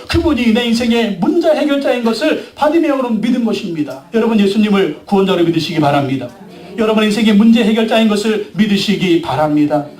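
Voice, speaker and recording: A man's voice: extremely high pitch, darkish tone. A man preaching a sermon as a pastor, acting out the cries and voices from the stories he tells. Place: church sanctuary. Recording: echoey church, mic from a distance.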